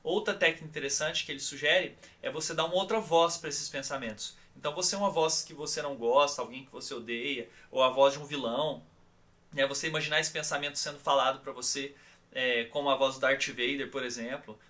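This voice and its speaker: A man with a Brazilian Portuguese accent giving a recorded online course lesson as instructor, speaking in a calm, guiding way and often checking in with his listeners. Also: medium pitch, a little fast.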